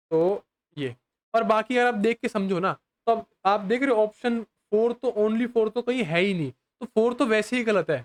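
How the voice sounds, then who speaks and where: High-voiced young man teaching casually. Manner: reads English questions slowly, explains fast in casual Hindi; addresses viewers as bhai, often asks if they understand. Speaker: exam prep teacher. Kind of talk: casual lesson explaining exam questions.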